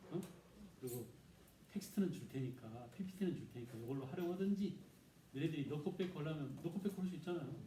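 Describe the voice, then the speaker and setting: A man talks at a fairly quick pace with lively intonation and a fairly high pitch. His somewhat breathy voice has a dark, mellow tone, and audible room echo surrounds it. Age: 60s. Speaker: history teacher. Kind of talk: lecture. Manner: animated.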